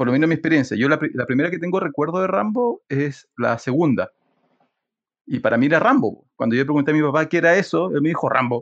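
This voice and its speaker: A man speaks very fast in a fairly high voice, his intonation lively. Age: 30s. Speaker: podcast co-host. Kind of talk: casual chat.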